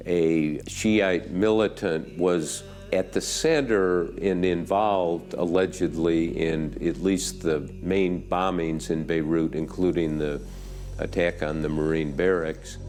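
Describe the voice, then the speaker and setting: Male interviewee, very low voice, careful and deliberate phrasing. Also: fairly even intonation, darkish tone, soft background music.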